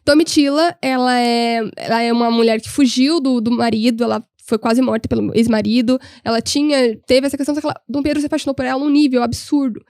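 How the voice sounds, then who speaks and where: A young woman, a podcast guest telling history stories in an animated, humorous way. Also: on the high side, fast, hardly any pauses, no echo, studio quality. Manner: animated, humorous, voices quoted people. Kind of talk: casual storytelling chat.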